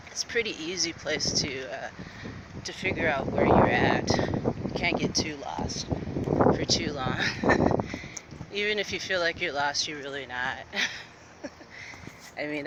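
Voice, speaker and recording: A man chatting casually while walking outdoors, rambling with restarts and a bit out of breath. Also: a little high. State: slightly out of breath. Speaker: vlogger. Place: outdoors on streets near an air base. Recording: noisy outdoor street with traffic. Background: traffic and urban ambience.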